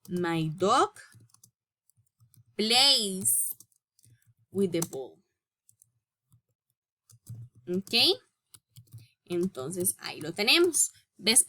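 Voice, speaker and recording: Woman, English teacher, unhurried, bright tone, patient step-by-step explanations. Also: medium pitch. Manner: reads English rules slowly and deliberately. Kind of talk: recorded grammar lesson.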